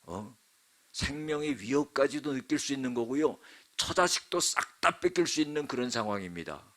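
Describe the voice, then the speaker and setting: Speaking at a moderate pace with a medium-pitched, fairly bright voice, a male pastor preaches expressively. He dramatizes the story, voices quotes, and makes frequent asides to the congregation.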